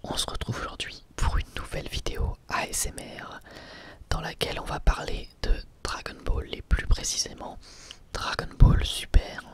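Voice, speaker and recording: A young man speaks in a breathy whisper close to the microphone, giving casual, unscripted ASMR commentary with hesitant pauses.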